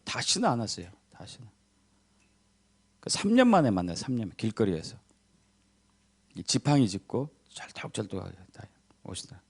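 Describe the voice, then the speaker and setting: A middle-aged male pastor preaching a sermon. He stresses key words by repeating them low, and he tells stories in which he acts out the voices of the people in them. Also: wildly swooping pitch, moderate pace, pauses often, a little mellow, slightly rough.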